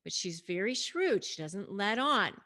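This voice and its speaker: A woman's voice: mid-range voice, sing-song, a little slow, bright, forceful tone. A woman speaking as an online coach, explaining and advising in a conversational, emphatic way straight to her viewers. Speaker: online negotiation coach and host. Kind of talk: explanatory video talk to camera, retelling and advising.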